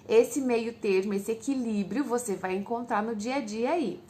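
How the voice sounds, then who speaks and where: A Brazilian Portuguese-accented woman gives parents advice in a relaxed, instructive way. Her voice sits a little high. She explains each point patiently and speaks straight to the listener. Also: moderate pace. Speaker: parenting educator. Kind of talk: casual instructive talk to parents.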